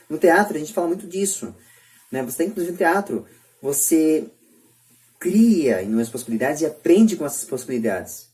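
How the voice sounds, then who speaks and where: Emphatic and repetitive, a man speaking with a Brazilian accent presses his views on a podcast recorded over a remote call from his home. His pitch is fairly high and his tone darkish.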